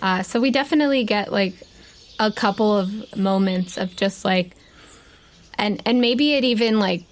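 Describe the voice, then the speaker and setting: Woman game master, mid-pitched voice. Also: moderate pace. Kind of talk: improvised tabletop game narration.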